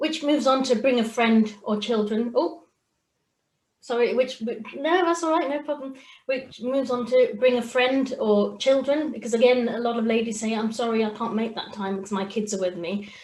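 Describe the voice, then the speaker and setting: Recorded with audible room echo, a woman speaks at a high pitch in a strong British accent. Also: ordinary pitch variation, moderate pace. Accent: thick British. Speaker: sports development officer. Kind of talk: webinar presentation.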